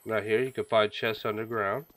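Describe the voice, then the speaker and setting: Guy with a stuffy nose chatting thru his gameplay, kinda low voice, gets excited a lot. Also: normal speed, a little hiss or hum. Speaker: gaming channel host. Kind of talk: casual game commentary.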